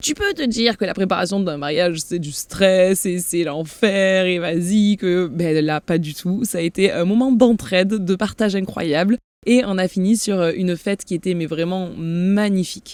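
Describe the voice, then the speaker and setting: This woman speaks at a fairly slow pace with hardly any pauses. Her pitch is medium with ordinary variation. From southern France (Marseille, then Var). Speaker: podcaster. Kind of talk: casual monologue. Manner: chatty.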